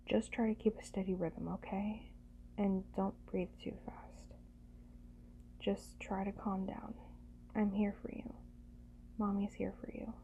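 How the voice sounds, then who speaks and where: A woman playing a doting, teasing lover in an intimate ASMR roleplay, speaking gently and soothingly in a breathy voice that often slips into whispers. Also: mid-range voice, dull audio, slight background noise.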